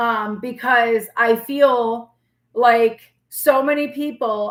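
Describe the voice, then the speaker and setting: A woman shouts with an American accent at a high pitch, with ordinary pitch variation. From New York. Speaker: tarot reader. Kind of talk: live stream chat. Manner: loud, sounds like yelling; sassy, feisty.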